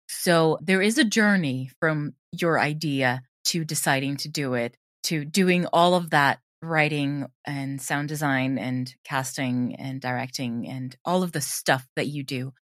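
A woman's voice: low-pitched, a bit bright, no echo, studio quality. A woman talking casually as an interview guest about her creative work, animatedly voicing imagined quotes as she goes.

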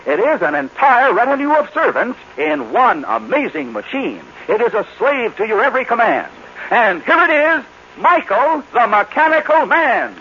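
An actor playing an excitable American game show announcer with grandiose, emphatic delivery on a 1950s radio drama. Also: male voice, extremely high pitch, moderate pace. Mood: grand, excited. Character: showy, excitable male giveaway show announcer. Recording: hissy, dull 1950s radio recording.

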